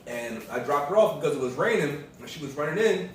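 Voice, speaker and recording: A man telling stories in casual chat with his partner, relaxed and rambling, full of fillers. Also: on the high side, quick pace, a little hiss or hum. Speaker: vlogger's partner. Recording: echoey room, mic at a distance.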